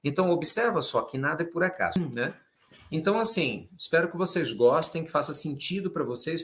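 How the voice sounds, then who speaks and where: A Brazilian man giving an emphatic, conversational spiritist talk on charity, often checking in with his listeners. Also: mid-range voice. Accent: Brazilian Portuguese. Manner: lively, emphatic, conversational preaching with frequent "né?". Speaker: spiritual speaker. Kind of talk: spiritist reflection on a reading.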